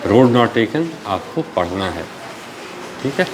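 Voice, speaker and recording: Slow, lively teacher, man. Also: lowish voice, very noisy. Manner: slow explaining, mixing Hindi and English, frequent "ठीक है". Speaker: school English teacher. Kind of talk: online class lecture.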